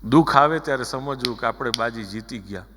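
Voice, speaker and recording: A man's voice: medium pitch, a little fast, fairly bright tone, a little hiss or hum. A man giving a devotional sermon, telling a story and asking and answering his own rhetorical questions before a seated audience. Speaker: religious storyteller preacher. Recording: hall reverb with music behind.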